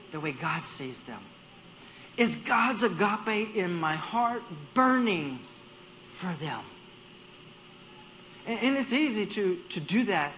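A man's voice: fairly high pitch, a bit bright, a little hiss or hum. A man preaching a sermon as a guest speaker at a church service. He talks animatedly, acts out dialogue in other voices and repeats words while he gathers his thoughts.

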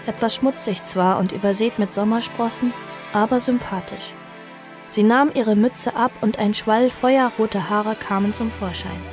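An actress playing an earnest, cautious girl who recounts her story in a horror audio drama, measured and reflective. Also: medium pitch, close to an everyday voice. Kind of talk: audio drama narration and dialogue. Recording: music behind the voice.

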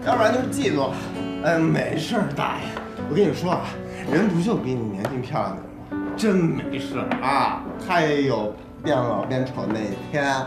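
A sloppy, giggling drunk, a divorced man who rambles and teases with a drawl. His pitch leaps wildly from low mutters to squeaky highs. The scene sounds roomy, with loud music playing under it. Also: very animated, normal speed. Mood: drunk, teasing.

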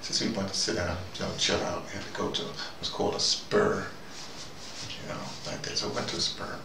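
A man's voice: low voice, steady tone, brisk, gravelly. An older man giving a rambling, conversational monologue to camera, digressing and putting questions to himself as he muses. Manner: digressive, musing, often asks himself questions. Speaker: video diarist delivering an opinion monologue. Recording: roomy, distant mic, noisy ambient background.

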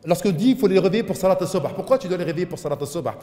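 A middle-aged man, an imam, giving an animated mosque lecture and mixing in street slang. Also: high-pitched, rapid-fire. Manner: animated preaching, mixes in street slang, voices his son and inner voices. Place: mosque hall. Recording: echoey hall.

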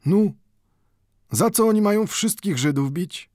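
A man's voice: sits high, lively intonation, a little slow, darkish tone, dry recording, clean studio sound, pitched above the performer's own voice. A man doing a proud old Jewish bookbinder. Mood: sly. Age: older. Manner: broken Polish with a repeated "nu"; rising to heated pleading.

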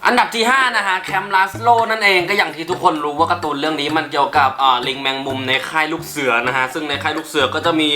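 A man talks as a casual online host, dropping English words into his commentary. His voice sits in a roomy echo, with music clearly playing behind him. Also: on the high side. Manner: mixes English words into Thai. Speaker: YouTube host counting down favourite cartoons. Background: background music.

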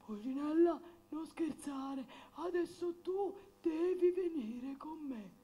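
A performer voicing Death as a bossy, exasperated skeleton puppet, scolding and commanding in a squeaky, shrill voice. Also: lively intonation, takes it slowly, mellow. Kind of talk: Italian puppet theatre slapstick.

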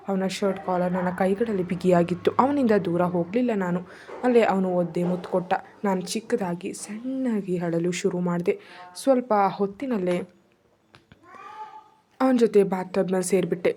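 A woman narrating a first-person romance story in a soft, intimate, low-key way. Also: a little hiss or hum.

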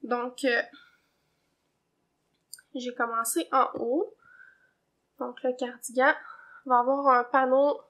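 A woman with a Québécois French accent, hosting a knitting podcast in a relaxed, chatty way with lots of fillers. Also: sits high. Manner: chatty, many fillers and hedging tags. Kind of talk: casual chat. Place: home, indoors.

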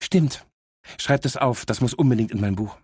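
A man's voice: mid-range voice, moderate pace, a little mellow, breathy edge, dry recording, clean studio sound, voice pushed up, lightly acted. A man voicing an opinionated young female talking dog, cheeky and sarcastic, in an audiobook. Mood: indignant. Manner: cheeky, know-it-all, sarcastic. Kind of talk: audiobook character voice.

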